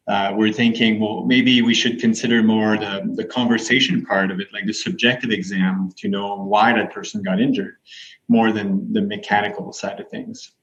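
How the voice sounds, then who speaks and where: A man's voice: fairly low pitch, fairly bright tone. A man gives conversational expert explanations as a physiotherapist guest, using examples. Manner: explains with examples and rhetorical questions. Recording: slightly dull, lo-fi audio.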